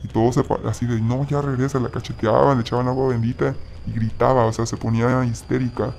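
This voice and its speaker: A man telling a personal story in a halting way, often restarting his sentences. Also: medium pitch, level tone, vocal fry, a little mellow, a little hiss or hum. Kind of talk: personal story told casually.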